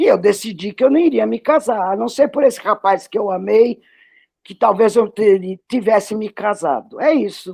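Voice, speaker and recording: A woman's medium-pitched, dark and mellow voice with vocal fry, very wide pitch swings and big shifts in loudness, at a moderate pace, dry and close with no echo against a quiet background. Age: 70s. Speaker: course participant, retired journalist. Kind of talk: personal testimony in online class.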